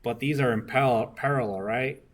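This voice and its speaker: A young man teaching an engineering discussion section moves fairly quickly through circuit homework problems. In his mid-range voice he repeatedly asks "right?" to see whether students follow.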